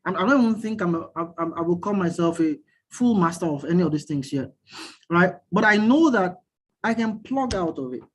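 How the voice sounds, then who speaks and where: A guest professor giving calm, measured advice in a talk, often repeating words as he or she starts a thought. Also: mid-range voice. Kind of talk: teaching talk.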